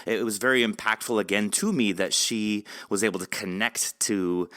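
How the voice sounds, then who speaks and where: Bright-voiced, low-pitched man hosting an interview. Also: steady tone, no echo, studio quality. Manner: effusive, rambling, halting mid-sentence. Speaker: podcast host interviewing an author. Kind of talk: conversational interview.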